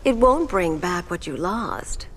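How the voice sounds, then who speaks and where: A woman's voice: on the low side, very animated, slow pace, fairly bright tone, slight background noise, heavily acted. An actress playing a sultry, scornful female villain in a video game, speaking in a purring, taunting way.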